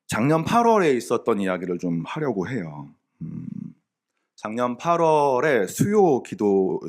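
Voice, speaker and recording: A middle-aged man, a pastor, gives a sermon and shares a personal testimony in a candid, conversational way, with fillers and soft laughs. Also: medium pitch.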